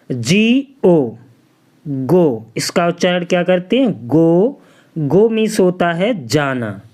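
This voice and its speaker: Slow, patient male English teacher. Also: sits high. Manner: spells each word letter by letter, then repeats the answer. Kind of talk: spelling-and-pronunciation lesson.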